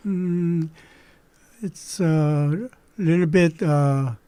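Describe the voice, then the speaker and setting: A man in his eighties, native Korean speaker, recalling his childhood in a halting way with many pauses. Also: fairly high pitch, warm tone, smooth, no room sound. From Manchuria. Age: 80s. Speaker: guest. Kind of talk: recalling memories in an interview.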